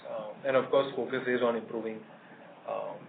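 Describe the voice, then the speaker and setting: A man with an Indian accent answering analysts on an earnings call as a company executive, in a measured, hesitant manner. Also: medium pitch, steady tone, vocal fry. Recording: noisy narrowband phone conference line.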